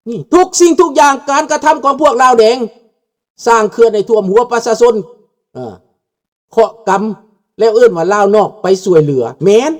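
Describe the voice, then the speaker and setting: An older man, a political commentator, delivers an impassioned monologue somewhere abroad, outside Laos, in a very high and very animated voice at normal speed. He blends Thai and Lao and keeps throwing questions at his audience.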